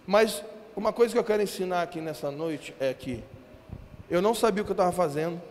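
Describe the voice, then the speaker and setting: Animated Brazilian preacher in a reverberant hall. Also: male voice, high-pitched, a little fast, a little hiss or hum. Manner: animated, slangy storytelling with acted-out quotes. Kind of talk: sermon with storytelling. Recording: reverberant hall with faint ambience.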